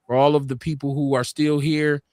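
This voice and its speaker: A man with an urban Black American accent hosts a casual live-stream talk show. His voice sits a little high for a man, and his pitch jumps up sharply when he drives a point home. The sound is close and dry, with no room echo. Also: fairly quick. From United States. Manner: animated, preachy, leaps up high in pitch to make points; reads viewer comments aloud.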